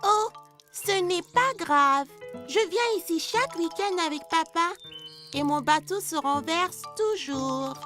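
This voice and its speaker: An easygoing, friendly preschool girl in a children's cartoon. Her voice is extremely high, chatty and childlike. Music is clearly heard behind her. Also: slow pace, bright, forceful tone, full character voice. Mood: forgiving.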